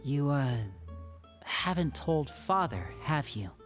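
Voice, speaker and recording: A man voicing a young male showman who speaks calmly and questions his brother in a measured way. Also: fairly high pitch, music in the background. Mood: stern.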